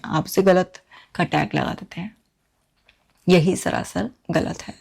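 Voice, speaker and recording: A woman hosting an advice talk, speaking earnestly to viewers with lively emphasis. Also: lowish voice, vocal fry. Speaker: talk show host.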